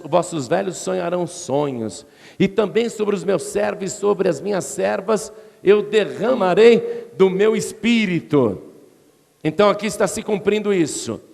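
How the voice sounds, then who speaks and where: A man's voice: vocal fry, a little mellow. A man with a Brazilian Portuguese accent preaching an expository sermon, retelling scripture dramatically in a church hall. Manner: dramatic storytelling, acting out crowd voices with rising pitch. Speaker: pastor. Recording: long reverb of a large hall.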